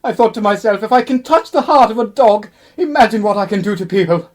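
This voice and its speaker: A woman's voice: mid-range voice, expressive, quick pace, a little mellow, close to an everyday voice. A woman playing a vain, easily offended male actor in his twenties, grandiose and melodramatic, in a radio play. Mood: grandiose, sorrowful. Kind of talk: theatrical radio play acting.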